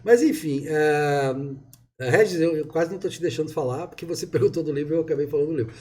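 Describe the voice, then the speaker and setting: This gaúcho-accented man from southern Brazil, an author giving an interview, talks quickly in a fairly high, slightly mellow voice. His casual speech is rambling and emphatic, full of restarts.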